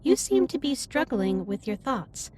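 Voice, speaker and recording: A woman playing a caring, earnest alien starship captain in a sci-fi roleplay audio drama, speaking in formal, precise, measured sentences. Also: sits high, sing-song, darkish tone, a little hiss or hum. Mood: caring, concerned. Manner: formal, precise, stilted wording with measured delivery. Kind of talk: scripted roleplay audio drama, intimate one-sided dialogue.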